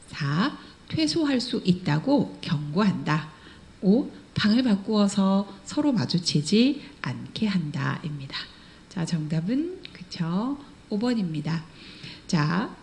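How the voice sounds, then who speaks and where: A woman's voice: on the low side, a little mellow. A middle-aged woman, director of a care training school, walking through exam questions and patiently explaining each answer. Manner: explains patiently, acts out residents' remarks.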